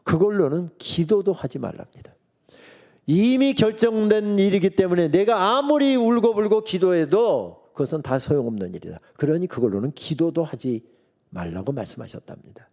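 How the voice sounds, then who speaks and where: A middle-aged man preaches a revival sermon from the pulpit mic in a church sanctuary. His voice is mellow and somewhat high, and his pitch swings widely as he tells the story and plays its characters with humor. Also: expressive, normal speed. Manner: storytelling preacher who acts out God's and Moses' lines with humor. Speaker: guest pastor preaching at a revival meeting.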